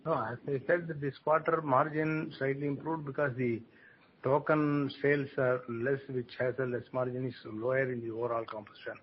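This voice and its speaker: A man answering analysts as a company executive on an earnings call, speaking haltingly and often rephrasing. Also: flat delivery. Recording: muffled conference call line, noisy rumble.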